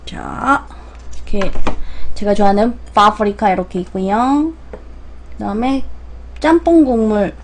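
A woman's voice: medium pitch, measured pace, pauses often. A young woman chatting casually with viewers on a livestream while she eats. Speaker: mukbang streamer. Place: small room at home, indoors.

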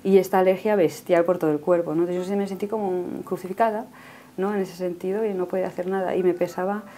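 Earnest woman in her thirties, mellow voice. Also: on the low side, steady tone, quick pace. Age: 30s. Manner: earnest, ends phrases with a questioning "no?". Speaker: guest giving a faith testimony. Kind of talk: personal testimony in conversation.

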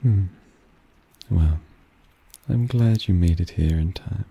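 A man's voice: sits low, slow pace, mellow, slightly rough, muffled recording, heavily acted. A man voicing a suave, possessive vampire who teases and dotes on his pet in an ASMR roleplay, purring with condescending affection. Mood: doting, amused. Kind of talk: ASMR roleplay addressed to the listener. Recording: rain ambience noise behind voice. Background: rain.

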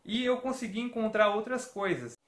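A retro gaming vlogger in his thirties, with a Brazilian Portuguese accent, chats to the camera in a high, animated voice at a moderate pace. He tells stories peppered with tag questions, and the sound is reverberant in his home room lined with shelves of games and toys.

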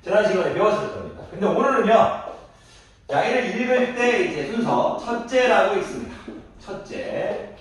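A middle-aged man teaching a math lesson to young children. He refers to himself as the teacher and counts aloud slowly while drawing. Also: high voice, lively intonation. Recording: echoey room, voice from a distance.

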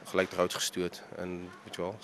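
A man's voice: low-pitched, monotone, brisk, gravelly, background noise. A man in his thirties, a restaurant owner, answering a news interview in his dining room into a handheld mic, hesitant with many fillers. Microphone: handheld reporter mic.

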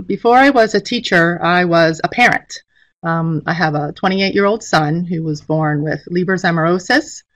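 A middle-aged teacher gives an informal instructional presentation over a webcam video call from an indoor room. Her voice is on the low side and a bit bright.

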